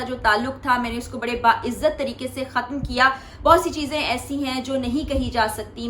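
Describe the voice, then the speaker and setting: A woman's voice: on the high side, a bit bright. A woman with a Pakistani accent recapping celebrity news for viewers in an explanatory way, often paraphrasing what others said. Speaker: host commenting on celebrity news. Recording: echoey room with faint background noise.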